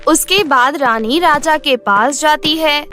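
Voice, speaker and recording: A woman's voice: high voice, takes it slowly, sharp tone. A woman narrating a scripted children's cartoon story. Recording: music bed behind the voice.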